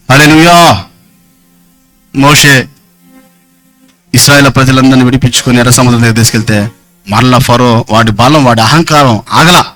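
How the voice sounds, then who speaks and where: Bright-voiced emphatic male preacher, music behind. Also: medium pitch. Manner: emphatic, repetitive, questions the congregation. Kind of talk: Sunday sermon.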